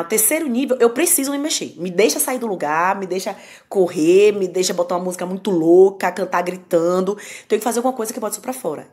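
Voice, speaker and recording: Fast-talking Brazilian woman, candid and emphatic. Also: on the high side, darkish tone. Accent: Brazilian Portuguese. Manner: candid, emphatic, self-mocking. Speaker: psychoanalyst guest. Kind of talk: conversational podcast talk.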